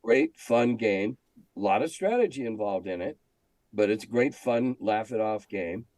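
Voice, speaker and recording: A man's voice: lowish voice, lively intonation, normal speed, a little mellow. An older man reminiscing casually in an interview, speaking emphatically and repeating phrases to make his point. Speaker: game designer and magazine editor guest.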